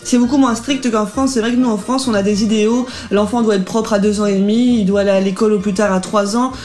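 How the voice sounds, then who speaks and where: A woman's voice: medium pitch, fairly even intonation, quick pace, darkish tone. A woman hosting a casual radio chat as columnist and interviewer, greeting listeners in a friendly, bubbly way.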